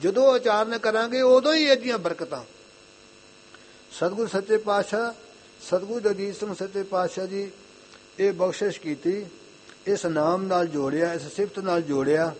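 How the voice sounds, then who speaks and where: A young man giving an earnest Sikh sermon, repeating his phrases and reciting scripture lines slowly in a chanting way. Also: sits high, a little hiss or hum. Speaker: Sikh preacher.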